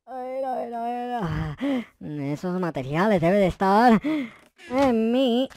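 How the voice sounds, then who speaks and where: A man voicing an excitable, mischievous, foul-mouthed young Minecraft noob, exclaiming and muttering to himself as he plays. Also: high-pitched, slow, exaggerated voice. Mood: scheming. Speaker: gaming video host. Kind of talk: roleplay gameplay commentary.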